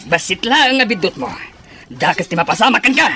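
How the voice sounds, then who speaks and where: A man's voice: high voice, sing-song, a little fast, background noise. A man playing a firm, protective older father and tribal fighter in an Ilocano drama. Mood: threatening. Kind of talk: dramatic acting in an Ilocano film.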